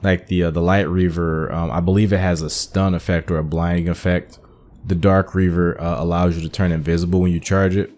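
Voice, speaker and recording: A man's voice: low-pitched, flat delivery, fairly quick, darkish tone. A man giving casual, musing, conversational commentary as he plays a video game. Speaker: gaming YouTuber.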